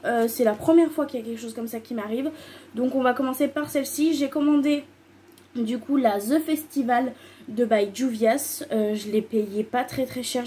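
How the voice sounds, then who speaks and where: A woman's voice: fairly high pitch, dark tone, a little hiss or hum. Gushing chatty woman vlogger. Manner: enthusiastic, piles up repeated intensifiers; loose and rambling, many fillers. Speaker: beauty vlogger. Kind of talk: casual chatty haul video.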